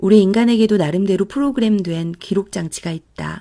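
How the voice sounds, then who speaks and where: Dark, mellow tone with a calm feel, fairly even intonation, a moderate pace and a very clean recording with a silent background. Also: woman. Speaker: audiobook narrator. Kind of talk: audiobook narration, non-fiction reading. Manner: soft, calm, ASMR-style reading.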